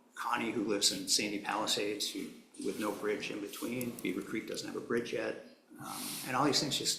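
A man at a moderate pace, with audible echo in the room. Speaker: city council candidate. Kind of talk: interview. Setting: video call.

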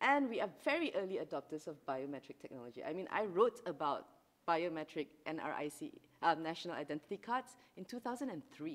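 With a Malaysian accent, a woman speaks at a moderate pace and fairly low pitch, with very wide pitch swings and big swings in loudness. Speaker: panelist. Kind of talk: panel discussion. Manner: animated. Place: meeting room. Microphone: podium.

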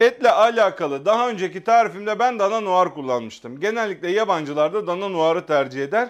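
Against a quiet background, a man with a high pitch speaks at a moderate pace. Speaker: cooking channel host. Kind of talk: tutorial. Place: kitchen.

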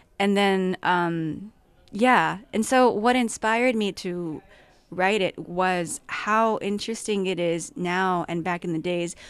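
A woman's medium-pitched voice at a fairly slow pace, with ordinary pitch variation over a quiet background. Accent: Japanese. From Japan. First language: Japanese. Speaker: filmmaker and actor. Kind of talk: interview.

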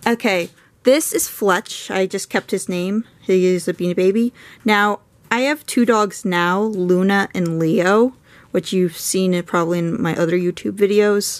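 The speaker talks at a fairly slow pace. Pitch varies in an ordinary way. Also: woman. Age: 20s. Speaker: YouTuber. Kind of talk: casual show-and-tell. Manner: halting, many fillers. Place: home room. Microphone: phone near.

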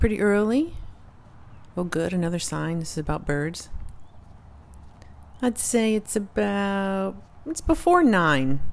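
Leaving long, frequent pauses, a woman speaks at a fairly slow pace. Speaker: beach vlogger. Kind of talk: casual vlog chat. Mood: cheerful, relaxed. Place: beach. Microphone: phone near.

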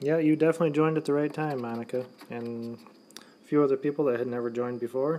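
A soft-spoken man talks very fast at a fairly high pitch, with fairly even intonation and big swings in loudness. Noticeable background noise runs underneath. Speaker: lottery scratch-off streamer. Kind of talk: live stream commentary. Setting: home live stream at night.

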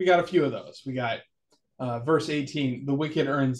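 At a moderate pace, a man with an American accent speaks in a fairly high, somewhat breathy voice with fairly even intonation. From California. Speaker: pastor. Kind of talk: casual chat. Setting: video call. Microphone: video call.

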